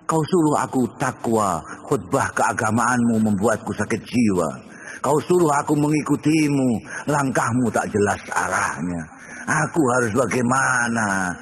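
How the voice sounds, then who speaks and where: A man giving a dramatic poetry recitation, emphatic and rhetorical, rising in pitch on the repeated lines. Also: big-room sound.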